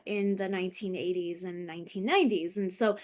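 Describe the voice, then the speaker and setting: A woman's voice: on the low side, fairly even intonation, brisk, a little mellow. A woman who grew up in Los Angeles after coming from Lebanon, co-hosting a podcast in a reflective, hesitant way with many fillers and restarts. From Lebanon, raised in Los Angeles. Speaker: podcast co-host. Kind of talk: casual conversational podcast.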